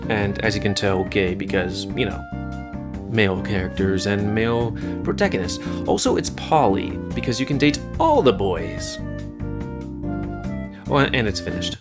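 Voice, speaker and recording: Casting: casual game-video host, lower-middle voice, loose rambling delivery, music playing underneath. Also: lively intonation, a little slow. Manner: rambling, searching for words. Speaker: video host reviewing games. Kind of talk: casual rambling commentary over gameplay.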